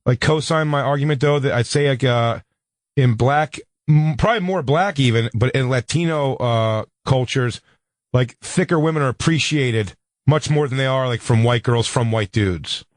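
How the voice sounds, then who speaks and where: A man's voice: mid-range voice, moderate pace, no echo. A man co-hosting a comedy radio show, telling blunt, rambling stories in casual chat. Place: radio studio.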